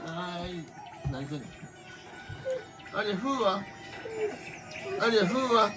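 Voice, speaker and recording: A man's voice: high-pitched, big pitch swings, moderate pace, over music. A man with a Kansai Japanese accent talking casually to his children in a family vlog.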